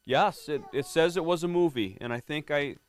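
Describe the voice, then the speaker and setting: A man's voice: on the high side, animated, normal speed, smooth. A middle-aged man, a police lieutenant, reading a picture book to a class of schoolchildren in a friendly way and often quizzing them. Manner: friendly, quizzing the kids, often asks "right?".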